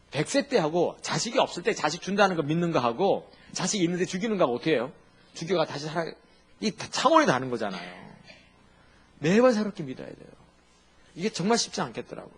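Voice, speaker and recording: A male pastor preaching a sermon in an animated, humorous way, full of rhetorical questions. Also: a little high, breathy edge.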